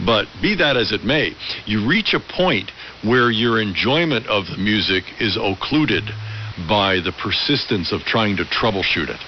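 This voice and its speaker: A middle-aged man with a lowish voice talks reflectively over AM ham radio. He is articulate and unhurried in his storytelling, speaking in long conversational turns. The sound is muffled and band-limited, with loud hiss throughout. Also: expressive. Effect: AM ham radio transmission. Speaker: amateur radio operator.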